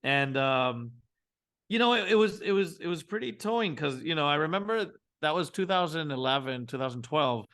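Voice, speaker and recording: A man, telling his business story as a guest in a casual interview, animated and often restarting his sentences. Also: fairly high pitch, normal speed. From Venezuela. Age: 40s. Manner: animated, frequent restarts, acts out his own thoughts. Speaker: guest entrepreneur.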